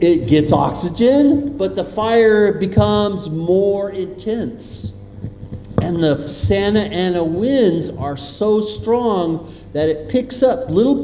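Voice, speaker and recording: A man's voice: high-pitched, warm tone, a little hiss or hum. An American man speaking playfully to students as a guest speaker, often checking in with questions, in an echoey hall. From California, USA. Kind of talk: interactive motivational talk to students. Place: large echoey room at a school. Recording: echoey hall with long reverb.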